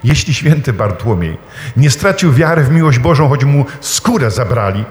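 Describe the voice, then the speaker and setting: A man preaching a sermon in a lively storytelling manner, with rhetorical questions and touches of humor. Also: mid-range voice, normal speed, echoey room, in a large hall. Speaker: priest preaching.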